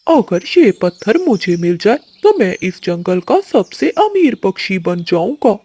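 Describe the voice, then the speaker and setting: A woman's voice: mid-range voice, sing-song, a little slow, dark tone, husky, no echo. A woman voicing a greedy, lazy male crow in a cartoon. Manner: stammers when scared.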